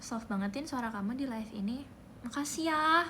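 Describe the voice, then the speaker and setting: Wanita ceria bersuara tinggi dan terang. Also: female voice, fairly high pitch, lively intonation, moderate pace, a little hiss or hum. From Indonesia. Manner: playful, soft-spoken, sings snippets and reads out gifter names. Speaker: idol live streamer. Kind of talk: casual livestream chat.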